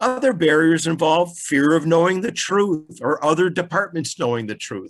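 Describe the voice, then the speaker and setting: This man speaks with a Midwestern accent. His voice sits high in pitch. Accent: American Midwestern. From US Midwest, Chicago. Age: 70s. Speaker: keynote speaker, management accounting expert. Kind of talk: webinar lecture. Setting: online webinar. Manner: conversational, informal.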